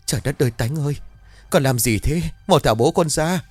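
A man's voice: mid-range voice, normal speed, darkish tone, breathy edge, no echo, faint music behind, pitched above the performer's own voice, lightly acted. A man voicing a panicked older village mother who cries out frantically. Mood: frantic. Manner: frantic, wailing.

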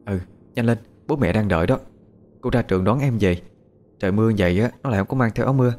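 A man voicing a flustered aunt who talks in a high, hurried, stumbling way in a horror audiobook. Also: darkish tone, lightly acted. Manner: high, breathless, stumbling explanations.

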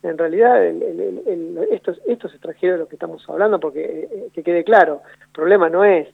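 A man with an Argentine accent, a radio guest giving measured, analytical answers and often rephrasing himself. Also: sits high, gravelly, slightly rough, dry recording. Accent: Argentine Spanish. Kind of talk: radio phone interview. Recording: tinny phone line on radio.

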